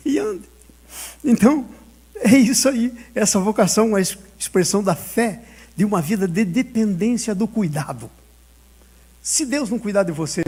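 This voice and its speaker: A man's voice: high voice, a little mellow, husky. A male pastor preaching a sermon, telling a personal story and acting out the dialogue with frequent laughter.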